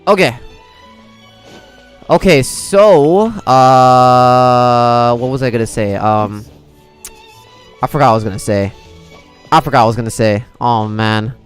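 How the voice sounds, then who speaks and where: A man's voice: mid-range voice, measured pace, pauses often, clean tone. A man livestreaming a video game in casual, slangy, chummy chat with his viewers. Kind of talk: casual gameplay stream chat. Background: game music.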